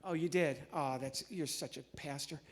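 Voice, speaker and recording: A middle-aged American man from the Midwest doing live comedy patter on stage, chatty and halting, often interrupting himself. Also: on the high side, heavy background noise. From Midwestern United States. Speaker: comedian and entertainer. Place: on stage in a large church hall.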